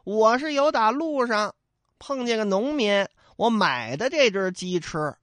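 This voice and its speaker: A man's voice: sits high, lively intonation, a little slow, fairly bright tone, no room sound, pitched above the performer's own voice. A male storyteller voicing a sly thief who brushes off blame in a cheeky way.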